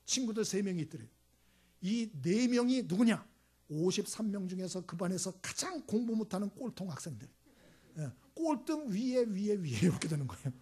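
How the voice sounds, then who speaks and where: A male pastor delivering a sermon with emphatic preaching, swinging between loud exclamations and hushed asides, and acting out voices in his stories. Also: high-pitched, animated, normal speed, breathy edge. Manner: tells anecdotes acting out voices.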